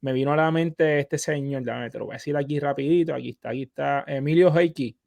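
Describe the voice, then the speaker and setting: Brief: man hosting a chat, voice a touch high, dry sound. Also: fast talker, gravelly, a little mellow, no echo. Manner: affirming, eager interjections. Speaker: host. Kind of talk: casual conversation.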